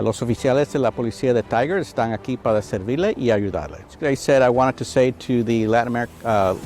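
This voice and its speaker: A man in his fifties, a veteran police officer, speaking in a measured, thoughtful way with pauses and fillers in an interview. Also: medium pitch, a little mellow. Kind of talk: recruitment video interview.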